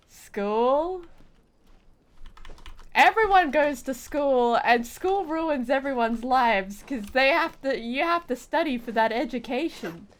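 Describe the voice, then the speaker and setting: Slow-paced, higher-voiced woman streaming games. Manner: playful, repeats herself. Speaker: game streamer. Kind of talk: casual livestream chat while gaming.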